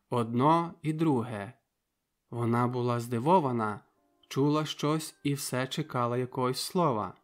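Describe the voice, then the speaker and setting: A man reading a novel aloud as an audiobook narrator, in a measured, even way. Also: mid-range voice. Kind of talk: scripted narration.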